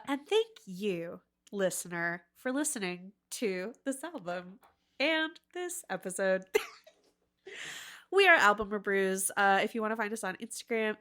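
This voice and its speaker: A woman with a bright, crisp-edged voice hosts a casual podcast. She talks playfully and likes a joke, in an easy conversational style at a middle pitch. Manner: playful, jokey. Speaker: podcast co-host.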